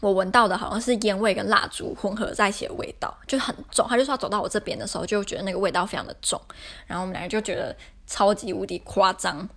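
A woman's voice: medium pitch, fast talker, gravelly. A young woman, telling a story casually in an exasperated, rambling way. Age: young adult. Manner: exasperated, rambling retelling with many fillers. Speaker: podcaster.

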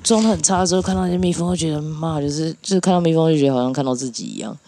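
A speaker with a Taiwanese Mandarin accent chatting casually and reflectively, pausing to find words and dropping in English. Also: medium pitch, warm tone, a little hiss or hum. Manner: halting, mixes in English words.

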